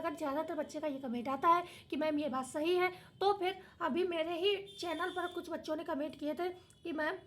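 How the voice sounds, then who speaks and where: A woman with a high, tired voice that's gone hoarse. She is young, and she reads out an official notice and then explains each point in plain words for her viewers. A faint hiss sits under the recording. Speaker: education channel host.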